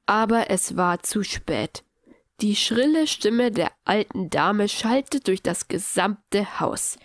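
Woman reading a fanfic audiobook, lively storyteller, dry close sound. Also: medium pitch, slow, no room sound. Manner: lively storytelling, reads all parts. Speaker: audiobook reader. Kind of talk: fan fiction audiobook narration.

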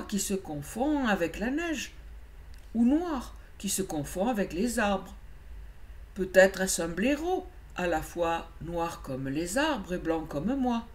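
Brief: woman reader as young white wolf, slow, calm, wary, storybook. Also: mid-range voice.

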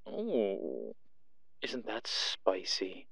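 A man's voice: deep voice, wildly swooping pitch, very slow, vocal fry, fairly bright tone, slightly rough, dry recording, exaggerated voice. A man playing a sly, theatrical black-market dealer in an audio roleplay, coy, teasing and purring as he pries. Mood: teasing, coaxing.

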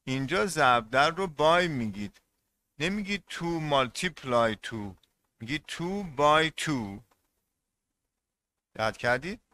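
A male English teacher leads a classroom lesson, repeating each term and quizzing his students. His mid-range voice is animated and sharp.

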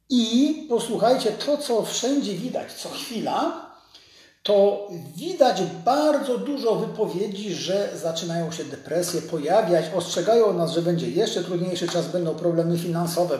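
A man's voice: high voice, darkish tone. A man hosting a casual live stream, chatting and greeting viewers by name from a large empty dental office with a heavy echo. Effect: heavy echo of a big empty room. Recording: strongly echoey empty room.

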